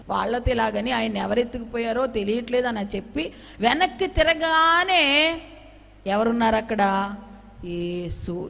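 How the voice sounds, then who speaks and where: A woman preaching a fervent sermon, often breaking into hallelujahs and moving between loud outbursts and soft, low asides. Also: vocal fry. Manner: fervent, punctuated by frequent hallelujahs. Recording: reverberant hall.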